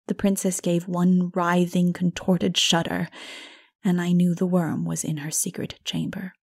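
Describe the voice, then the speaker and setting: A woman narrating a dark fantasy audiobook dramatically, in a solemn, measured manner that is hushed at times. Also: fairly low pitch, breathy edge.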